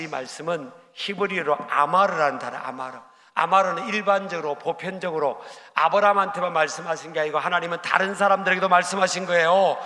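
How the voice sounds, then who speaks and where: A male pastor preaching a sermon, emphatic and rising to shouted rebukes. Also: high voice. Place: church sanctuary. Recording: large hall with long reverb.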